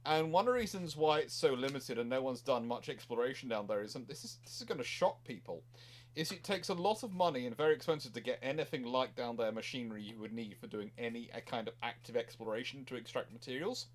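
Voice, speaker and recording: A man's voice: medium pitch, animated, quick pace. A man hosting a casual panel chat, explaining things in a rambling, digressive way with repeated words. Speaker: naval history show host.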